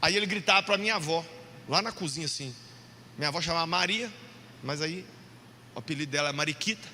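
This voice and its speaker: A male pastor preaching an animated, jokey sermon, shouting out points for emphasis in a church hall. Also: fairly high pitch, racing, slight background noise. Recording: long hall reverb.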